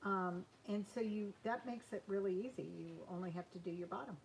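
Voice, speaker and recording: A woman in her sixties talks loosely as she hand sews in a small sewing room. She restarts sentences and fills pauses with ums. The camera sits across the table, and a faint hum hangs behind her. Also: medium pitch, low-quality recording. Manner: chatty, frequent ums and restarts. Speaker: host sewing live. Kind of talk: casual live Q&A while hand sewing.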